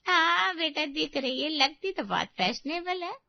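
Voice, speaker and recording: This is a gossipy older neighbor woman, voiced by a woman in a cartoon story. She speaks high and sing-song, drawing out her jibes slowly, with a cackling laugh. The recording is slightly dull and very dry, with no room echo. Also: very animated, creaky, heavily acted. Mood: mocking. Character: mocking older female neighbor, gossipy rival. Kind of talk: Hindi cartoon story voice acting.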